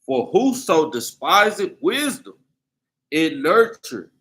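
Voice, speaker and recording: A man reading scripture aloud in a deliberate, measured way during a bible class. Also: on the high side, big pitch swings, fairly bright tone. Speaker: scripture reader.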